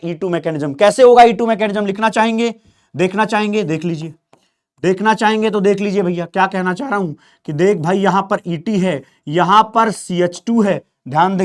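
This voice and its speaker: A man teaching chemistry in an exam-prep lecture, animated, prodding students with questions and speaking for the molecules in first person. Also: high voice. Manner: acts out molecules in quoted first-person voices.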